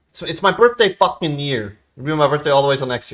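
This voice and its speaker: With an American accent, a man talks at a fairly quick pace in a fairly high pitch. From Philadelphia, US. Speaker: streamer. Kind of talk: casual live stream chat. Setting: home live stream, headset. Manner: loud.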